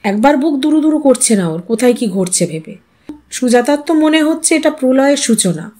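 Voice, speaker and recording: A woman storyteller narrating literary fiction in an expressive style. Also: high voice, moderate pace.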